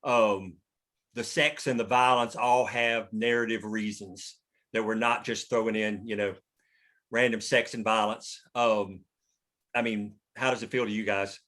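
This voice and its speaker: A man's voice: fairly low pitch, steady tone, unhurried, fairly bright tone. Casual man explaining things to a group. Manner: informal, explanatory, occasionally profane. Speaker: writer leading a script table read.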